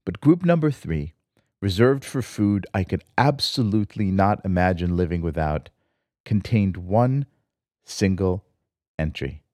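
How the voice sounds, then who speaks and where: A man's voice: low-pitched, expressive, unhurried, a little mellow, no room sound, clean studio sound. A man from Israel, the host, reading a reflective personal essay in a wry, lyrical storytelling manner. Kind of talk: scripted personal essay narration.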